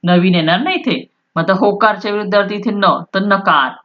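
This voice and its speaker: A woman's voice: mid-range voice, a little fast, muffled recording. A woman teaching a school Marathi lesson, explaining step by step, repeating key terms and asking if students follow, sometimes restating points in Hindi.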